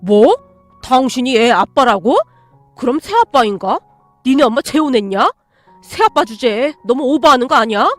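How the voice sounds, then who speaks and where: A crude, bullying middle-aged dad yells and sneers in this radio story, voiced by a woman reader. The voice sits high and loud, with faint music underneath. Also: animated, normal speed, no room sound. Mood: furious scornful. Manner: shouting, insulting, jabbing. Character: angry middle-aged father, rude and bullying.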